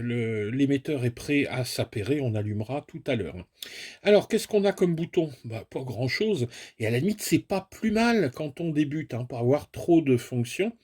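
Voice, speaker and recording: Male reviewer, husky tone, chatty casual unboxing, talks viewers through it step by step. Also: on the high side, darkish tone. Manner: chatty, self-mocking, explains step by step. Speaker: toy and hobby product reviewer.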